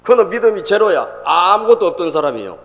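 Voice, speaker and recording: A man's voice: high-pitched, very animated, fast talker, a bit bright. A male pastor delivering an emphatic sermon, repeating phrases and calling out to the congregation in a church sanctuary. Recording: long reverb in a church hall.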